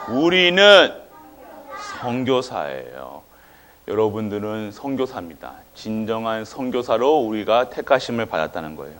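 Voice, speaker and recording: A man's voice: lowish voice, fairly bright tone. A male pastor preaching a sermon in a church, often quizzing the congregation and waiting for their answers. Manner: quizzes the congregation with call-and-response questions.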